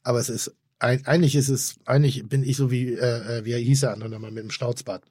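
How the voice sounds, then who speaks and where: A man's voice: mid-range voice, level tone, quick pace, a little mellow, no echo. Effusive rambling man, dry close mic. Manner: rambling, effusive, trailing off and restarting. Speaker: podcast co-host, restaurateur. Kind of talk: casual podcast chat.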